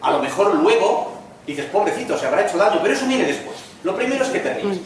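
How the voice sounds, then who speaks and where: Spanish-accented male lecturer, joking and chatty, voice a little high, recorded from far off in an echoey room. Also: big pitch swings, a crowd in the background. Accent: Spanish (Spain). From Spain. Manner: chatty, tells jokes with quick acted lines. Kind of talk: lecture with jokes.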